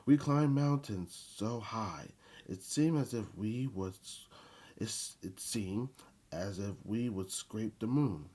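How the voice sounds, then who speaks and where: A man reading a children's Christmas story aloud in a halting way, stumbling and repeating phrases, with a husky voice. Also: on the low side, warm tone.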